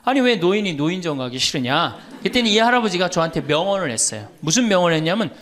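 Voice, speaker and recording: Lively Korean priest telling funny stories. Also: male voice, high-pitched, fast talker. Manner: storytelling, quoting others, teasing the audience. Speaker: Catholic priest. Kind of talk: humorous lecture to an audience.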